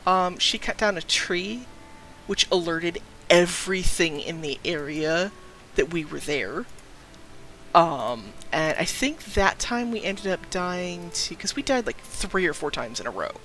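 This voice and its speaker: A young trans man with a light, youthful voice talks to his stream at home, slowly and chattily, laughing as he goes and breaking off to greet viewers. His tone is bright and his pitch swings a lot. There is a faint hum of noise behind him. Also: lively intonation. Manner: rambling, chatty, laughs often, greets viewers mid-story. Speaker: game streamer. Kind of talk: casual live-stream chat.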